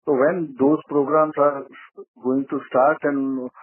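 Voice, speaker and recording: A man, an investor caller, asks unscripted questions with hesitant, halting phrasing. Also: medium pitch, flat delivery, husky. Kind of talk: spontaneous questioning. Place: telephone conference call. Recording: tinny narrowband phone line.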